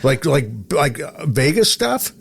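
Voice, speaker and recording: A middle-aged man from Minnesota co-hosting a casual interview, talking in a rambling, halting way and often repeating himself. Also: on the high side, very animated, gravelly, husky. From Minnesota, United States. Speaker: podcast co-host, radio veteran.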